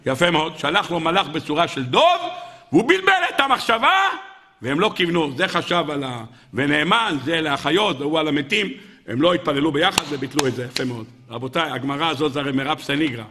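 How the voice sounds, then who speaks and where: A rabbi giving a Hasidic story sermon in Israeli Hebrew, animated and acting out the characters in raised voices. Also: male voice, on the high side, noisy background.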